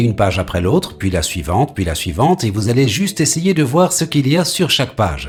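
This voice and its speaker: With music in the background, a man speaks at a fairly quick pace as his pitch swings very widely. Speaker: voice-over artist. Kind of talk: dubbed classroom lecture.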